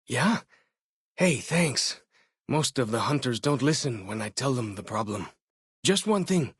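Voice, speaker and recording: Expressive, husky young tribal scout. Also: male voice, mid-range voice, measured pace, no echo, clean studio sound. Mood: friendly, easygoing. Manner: casual, folksy, expressive. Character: friendly, easygoing young male tribal scout and guide. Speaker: video game character voice actor. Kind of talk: in-game dialogue and combat barks.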